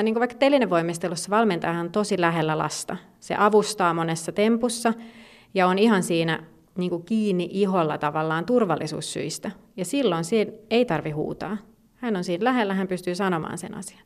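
A woman speaking as an expert in a conversational interview, explaining at length with many fillers and restarts. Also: lowish voice. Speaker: gymnastics federation expert.

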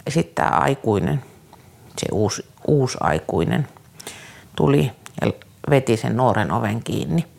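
A man with a gravelly voice recounts his years as a youth care counselor in an interview. His intonation rises and falls widely. He speaks haltingly and earnestly, often stopping to restart a sentence. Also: mid-range voice, animated, darkish tone. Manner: earnest, troubled storytelling. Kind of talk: personal recollection in an interview.

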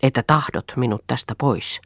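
A woman's voice: extremely low pitch, no echo, studio quality. A woman reading the part of an irritable, dismissive husband in an audiobook. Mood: curt. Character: cold, irritable husband Eero.

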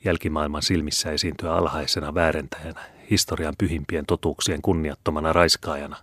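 A man's voice: very deep voice, level tone, a bit bright, no echo, studio quality. A man voicing a frightened, humbled male prisoner who speaks in a trembling, pleading, subdued way in a storybook reading. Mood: bitter.

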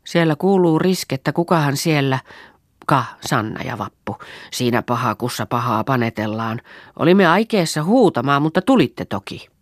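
A woman voicing a bold young farm girl who takes charge, talking in animated exclamations. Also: rumbling low, dry recording, studio quality. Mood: lively.

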